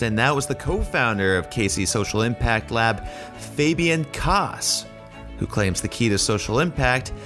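A man hosting a podcast interview, introducing his guest with an energetic countdown and asking questions. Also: medium pitch. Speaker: podcast host.

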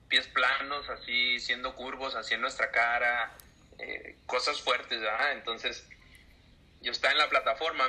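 A young Mexican man in his twenties with a very bright, forward voice. He tells stories in a relaxed interview and acts out the people in them. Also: mid-range voice, rough recording. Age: 20s. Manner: animated storyteller, acts out voices. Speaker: church musician. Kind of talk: casual interview storytelling.

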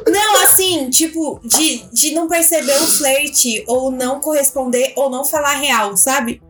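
A Brazilian woman tells stories in a breezy podcast chat, often restarting her sentences as she goes. Her voice sits high for a woman. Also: fairly bright tone, faint music behind. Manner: chatty storyteller, quick restarts. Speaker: podcast co-host.

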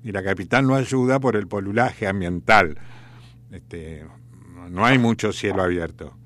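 A man's voice: sits low, a little slow, fairly bright tone. A man with an Argentine accent hosting a radio show, rambling in a chatty, folksy storytelling way. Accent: Argentine Spanish. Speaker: radio host. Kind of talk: casual radio chat.

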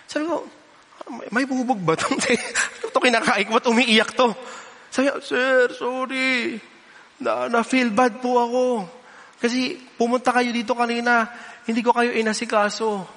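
A man preaches to a congregation with a high, bright voice, telling stories and acting out the people in them as he goes. His sermon rings through a big hall with a long reverb. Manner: storytelling, switching between English and Filipino, acts out quoted voices. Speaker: pastor.

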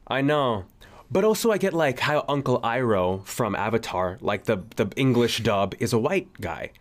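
A man's voice: medium pitch, animated, normal speed. A young man talking casually on a group voice call. He rambles and fills his sentences with "like". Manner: rambling, heavy use of "like". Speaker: podcast co-host, producer.

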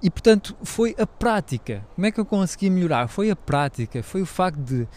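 A man's voice: high-pitched, sing-song, a little fast, a little mellow. A man hosting his own podcast in a casual, rambling monologue, hesitant and full of fillers, speaking Portuguese with a French accent. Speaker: podcast host.

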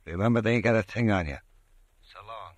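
A man's voice: fairly low pitch, fairly quick, dry recording, lightly acted. A man playing a cool, slangy criminal accomplice giving orders in an old radio drama. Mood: cool, menacing. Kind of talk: 1940s radio drama acting.

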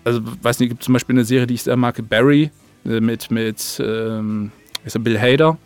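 A man's voice: mid-range voice, steady tone, moderate pace, smooth. A man talking casually as a podcast guest, explaining in a rambling, colloquial way. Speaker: guest, audio drama writer and producer. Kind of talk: casual podcast interview talk.

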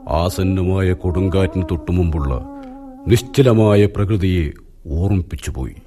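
A man playing the wise royal advisor Vidura in a radio play, grave and measured as he admonishes the king. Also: sits low, warm tone. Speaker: radio drama actor. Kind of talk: 1980s Malayalam radio drama acting.

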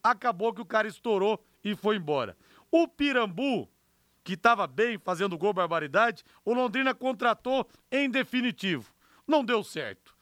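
A man's voice: high-pitched, lively intonation, moderate pace, fairly bright tone, no echo, studio quality. A man with a Brazilian accent hosting live sports talk on the radio, emphatic with conversational asides. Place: radio studio.

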